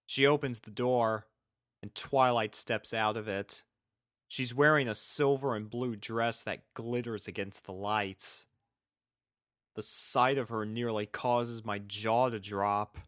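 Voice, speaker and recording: A man narrates a first-person story from a script. His voice is on the low side and bright, delivered slowly in a dry, close sound. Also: steady tone, dry recording. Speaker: fan fiction reader and narrator.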